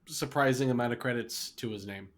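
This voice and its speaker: A man's voice: medium pitch, brisk. A man co-hosting a podcast, explaining things in a wry, joking way. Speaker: podcast co-host. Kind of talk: casual chat.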